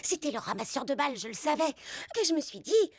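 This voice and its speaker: A woman's voice: sits high, very animated, fast talker. A woman voicing Baba Hortensia, a genteel, polite older lady who talks in formal, gracious sentences in a cartoon. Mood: earnest. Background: music.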